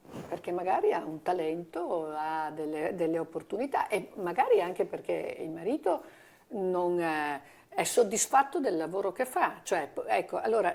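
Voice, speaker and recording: Here a woman speaks at a medium pitch with lively intonation. Her pace is moderate. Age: 60s. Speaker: entrepreneur and cultural manager. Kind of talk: interview. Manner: halting, repeats words.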